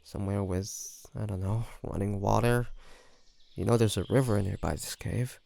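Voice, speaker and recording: A man playing a gentle, remorseful vampire in an intimate audio roleplay, speaking hesitantly and earnestly with many pauses. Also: lowish voice, steady tone, vocal fry, dry recording. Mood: quiet, explaining. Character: remorseful, gentle male vampire tending his wounded victim.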